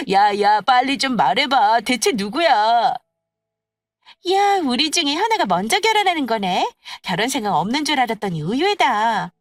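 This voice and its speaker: A woman voicing excitable, gossipy young female friends in an audio story, exclaiming in a blunt, nosy way. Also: on the high side, unhurried, no echo, studio quality, soft background music, pitched above the performer's own voice. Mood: astonished, curious. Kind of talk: acted dialogue in an audio story.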